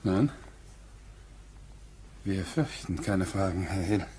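An actor playing a plain-spoken, guarded Puritan farmer in a German radio play, blunt and measured, at times hesitant. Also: male voice, deep voice, animated, noisy background. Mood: defiant.

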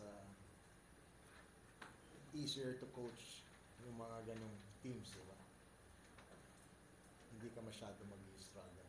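Older Filipino coach, halting press-room answers, mixes in Tagalog, echoey room with clear noise behind. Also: male voice, lowish voice. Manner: switches between English and Tagalog, halting with many fillers. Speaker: basketball head coach. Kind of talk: postgame press conference answers. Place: press room with sponsor backdrop. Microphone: table mic on stand.

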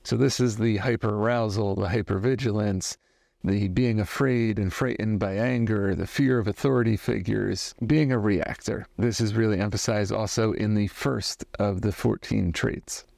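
A man in his thirties, a trauma therapist, giving a measured, thoughtful lesson to camera in a study lined with bookshelves. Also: lowish voice, fairly even intonation, gravelly, darkish tone, dry recording, studio quality. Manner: measured, thoughtful explaining with hand gestures. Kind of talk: educational talk to camera.

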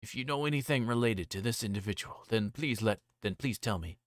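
Man acting out a probing, low-voiced older detective. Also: brisk, no room sound, clean studio sound, lightly acted. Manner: polite, leading questioning. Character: probing older male police detective, politely insistent. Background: music behind the voice.

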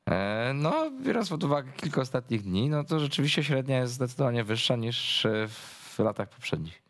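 A man's voice: mid-range voice, sing-song, a little fast. A man chatting in casual studio banter, with wry, dry jokes.

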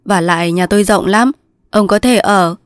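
A woman voicing a calm, kindly old male villager who speaks plainly in a storybook reading. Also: medium pitch, normal speed, no room sound, natural voice.

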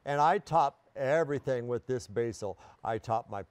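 A middle-aged man giving a live product demonstration and sales pitch as a guest expert on home shopping television. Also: expressive, moderate pace, clean tone, dry recording. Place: TV studio kitchen set.

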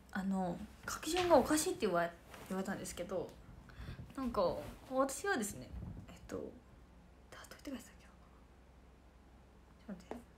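A woman's voice: mid-range voice, noisy background. A woman in her late teens hosting a casual livestream, chatting and giggling while reading viewer comments. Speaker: idol livestream host.

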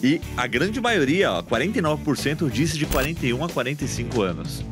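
A man in his forties co-hosting a casual tech podcast at a studio desk, talking in a quick, jokey way. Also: a little high, very animated, over music. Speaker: podcast co-host. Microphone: desk microphone on a stand.

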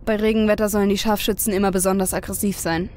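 A woman playing an anxious young soldier in an audio drama, with a hurried, worried manner. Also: medium pitch, flat delivery, darkish tone, a little hiss or hum, close to an everyday voice. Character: Rotkopf, young soldier with an unusually high voice, anxious.

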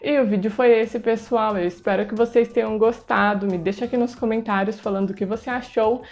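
Higher-voiced Brazilian woman presenting a tutorial. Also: fairly even intonation, a little fast, darkish tone. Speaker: host of a cake decorating channel. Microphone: lapel. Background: background music.

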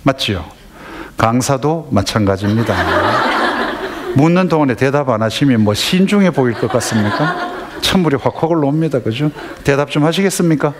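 A man's voice: mid-range voice, lively intonation, a little fast, very noisy. Man lecturing parents. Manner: conversational, acts out family dialogues, asks audience questions.

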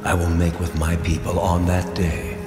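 An actor voicing God as a solemn, commanding divine being in a dramatized scripture reading, measured in delivery. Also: male voice, low voice, completely flat delivery, lightly acted. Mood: solemn, authoritative. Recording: reverberant hall effect under music.

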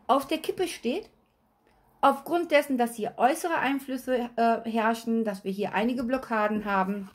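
A woman, slightly hoarse, giving a chatty tarot reading at a table and often checking in with viewers. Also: fairly high pitch. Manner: chatty, repeats okay? and addresses viewers directly. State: slightly hoarse, recovering from illness. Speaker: tarot reader. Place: at a table with cards and a candle, indoors.

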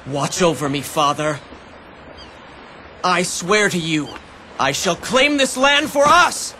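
A brash young warlord in a game cutscene, speaking slowly and with determination. Clear ambient noise runs under his lines. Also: high-pitched, lively intonation. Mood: determined. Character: bold young male warlord, ambitious.

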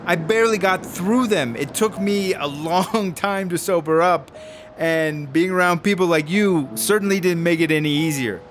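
An aggrieved, guilt-ridden male screenwriter in a radio drama. His voice sits fairly high for a man, and he talks in an excitable, needy, slangy way. Faint street noise sits behind him. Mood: defensive. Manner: excitable, slangy, halting when upset. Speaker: actor in a serialized radio drama. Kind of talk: naturalistic radio drama acting.

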